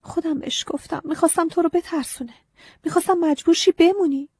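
A woman playing a high-strung young farm girl. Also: a little mellow, no echo, clean studio sound. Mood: earnest.

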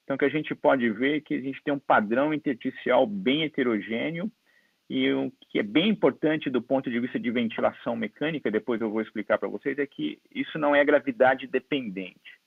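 With vocal fry and a breathy edge to his medium-pitched voice, a Brazilian Portuguese-accented guest medical expert presents an online lecture in a conversational, explanatory way. There's no echo, and the call audio sounds slightly dull.

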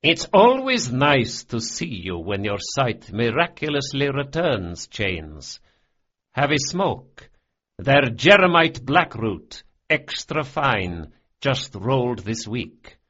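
An audiobook narrator voicing a genial, amused crime boss, a big middle-aged man, with a husky voice on a dull lo-fi recording. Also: medium pitch, big pitch swings, slow pace, fairly bright tone, pitched above the performer's own voice, heavily acted. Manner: amused, indulgent.

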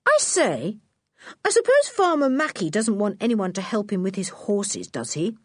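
A polite, sensible schoolboy who leads the group, voiced by a woman reading a children's story. He speaks in earnest, proper phrasing with a lively rise and fall. The recording is close and dry. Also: mid-range voice, moderate pace, no room sound. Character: sensible well-spoken schoolboy, leader of the children.

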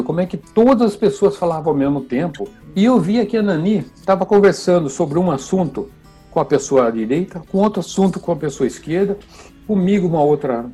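An older man, a chamber musician, telling stories in an interview, animated, often adding "né?" at the ends of phrases. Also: a little high, husky. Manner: animated, frequent "né?" tags. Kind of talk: storytelling interview.

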